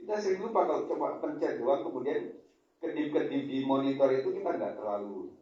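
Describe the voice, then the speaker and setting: A man preaching a sermon with an Indonesian accent, telling lively stories and acting out prayers in a hushed voice. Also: mid-range voice, brisk. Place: large church hall. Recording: distant, echoey church hall, dull sound.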